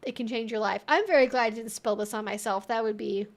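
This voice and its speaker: A woman's voice: fairly high pitch, steady tone, fast, a little hiss or hum. A young woman hosting a livestream, chatting informally and thinking aloud in a rambling way as she answers viewers. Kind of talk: casual livestream chat.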